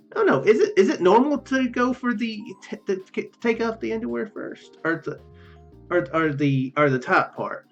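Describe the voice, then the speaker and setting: Animated, halting man with muffled sound. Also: high voice. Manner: halting, rambling, self-correcting. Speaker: let's play video host. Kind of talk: casual game commentary, reading visual novel text aloud. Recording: muffled lo-fi mic, music behind. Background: game music.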